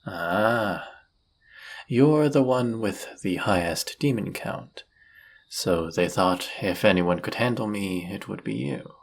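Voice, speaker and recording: A man playing an arrogant demon prince of lust in an audio roleplay, speaking in a suave, condescending, flirtatious manner with a husky, gravelly voice. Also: on the low side, takes it slowly, full character voice. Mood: mocking, haughty. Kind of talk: scripted audio roleplay addressed to the listener.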